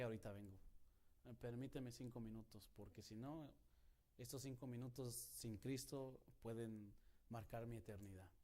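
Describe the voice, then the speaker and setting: Pastor preaching conversationally. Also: male voice, medium pitch, darkish tone. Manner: conversational preaching, acts out quoted prayers and dialogue. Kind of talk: sermon.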